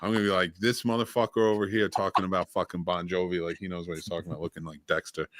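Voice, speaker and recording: Very fast and very deep, a man with a New Jersey accent talks in a dry, close sound with no echo. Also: hardly any pauses, very clean recording, silent background. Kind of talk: casual chat. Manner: animated.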